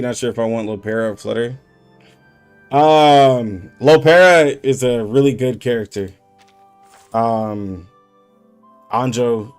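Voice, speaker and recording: A male gaming streamer chats on a live stream at home, slangy and animated, leaning on filler words and breaking into laughs. His voice sits at a middle pitch. Faint game music runs behind him. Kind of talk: casual livestream chat.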